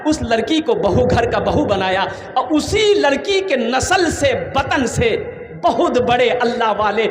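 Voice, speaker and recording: A man giving a lively comic sermon and calling out questions to the audience. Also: very high-pitched, unhurried. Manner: animated, calls out questions to the audience. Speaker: Islamic preacher. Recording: echoey hall recording, faint background noise.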